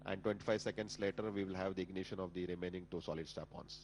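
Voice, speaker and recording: A man with an Indian accent giving measured, formal live technical commentary as a broadcast commentator. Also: low-pitched, fairly even intonation, darkish tone. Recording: humming background noise.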